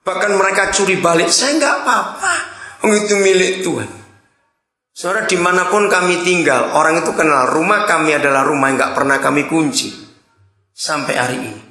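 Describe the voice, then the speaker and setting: A man's voice: sits high, normal speed. A man preaching a sermon, telling stories and acting out the dialogue in them. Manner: storytelling, animated, acts out dialogue. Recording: echoey hall.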